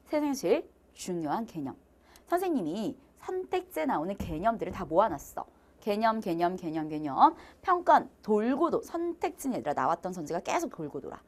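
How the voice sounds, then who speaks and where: A lively woman lecturer promotes her exam prep course, her voice rising and falling widely as she mixes polite speech with casual student talk. She often acts out short quoted lines from students and herself. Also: medium pitch, brisk. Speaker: Korean exam prep teacher.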